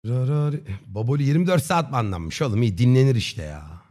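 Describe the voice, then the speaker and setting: A man in his thirties chatting casually on a livestream in a slangy, joking, deadpan way. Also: mid-range voice, fairly quick. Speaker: live streamer. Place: dim indoor streaming room. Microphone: close desk microphone with headset on.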